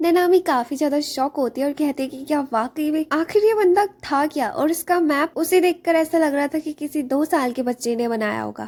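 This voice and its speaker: Over noticeable background noise, a woman speaks with hardly any pauses in a high pitch with ordinary pitch variation. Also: moderate pace. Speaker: anime recap narrator. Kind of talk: story recap narration.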